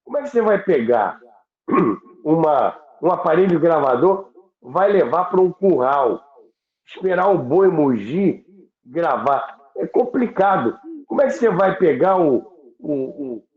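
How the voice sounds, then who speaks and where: A Brazilian man explaining things informally as an interview guest, halting and repeating words, with rhetorical questions. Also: on the high side, sing-song. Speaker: interview guest on radio history. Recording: phone-like thin sound, echoey room.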